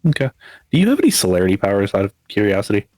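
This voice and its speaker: A man's voice: lowish voice, big pitch swings, rapid-fire, a little mellow, no room sound, low-quality recording. A man narrating a tabletop role-playing game as storyteller, rambling with many fillers. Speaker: game master.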